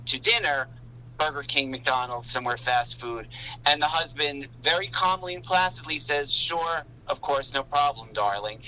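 A man's voice: fairly high pitch, pushed and bright, low-quality recording. A man, a podcast guest, walking through a book's plot in detail during a casual film discussion. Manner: detailed, explanatory storytelling.

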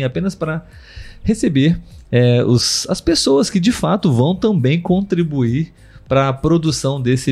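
A man's voice: medium pitch, a little mellow. A Brazilian man hosting a casual live podcast for language learners, explaining things didactically and often restating with synonyms. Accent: Brazilian Portuguese. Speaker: podcast host.

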